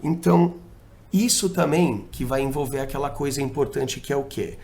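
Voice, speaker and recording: A man, co-hosting a casual podcast. He explains dating advice in an animated, slangy way, with many examples. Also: mid-range voice, normal speed, vocal fry. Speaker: podcast co-host and dating coach.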